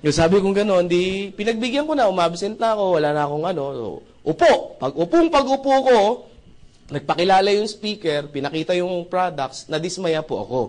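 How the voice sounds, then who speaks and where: A young man from the Philippines giving an animated testimonial at a seminar, acting out conversations and often asking the audience to agree. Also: sits high, fairly quick. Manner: acts out dialogue with shifting voices, asks audience often. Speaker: seminar speaker.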